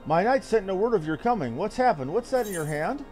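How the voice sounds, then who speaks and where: A man's voice: high-pitched, animated, brisk, darkish tone, faint music behind. A man voicing a stern, worried knight officer from a fantasy game, speaking formally and emphatically. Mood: alarmed. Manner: formal, emphatic, archaic phrasing. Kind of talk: reading game dialogue in character.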